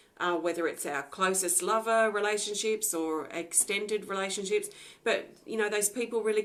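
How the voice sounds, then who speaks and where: A woman speaks with an Australian accent at a moderate pace. Her pitch varies in an ordinary way. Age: 40s. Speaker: spiritual healing teacher. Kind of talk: live-streamed spiritual talk. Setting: live video stream. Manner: reflective, some hesitation.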